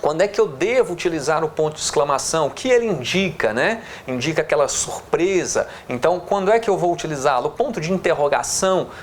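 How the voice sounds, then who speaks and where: A man's voice: a little high, expressive, a little hiss or hum. Brazilian man teaching at the board. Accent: Brazilian Portuguese. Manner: explains step by step, many "tá?" and "né?" check-ins, drawn-out words at the board. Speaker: Portuguese teacher. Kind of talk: classroom lecture on punctuation.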